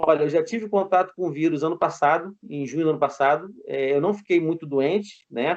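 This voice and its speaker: At a fairly quick pace, a man talks in a normal speaking voice with a fairly high pitch and ordinary pitch variation. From Rio de Janeiro, Brazil (north zone, Ilha do Governador). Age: 50s. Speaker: nurse. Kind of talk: interview.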